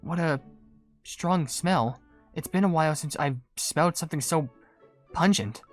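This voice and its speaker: Composed female perfumer for a fantasy game: low, soft-spoken, polite, faint music behind. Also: a little slow. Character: gentle, composed adult female cookie perfumer. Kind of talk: video game voice acting.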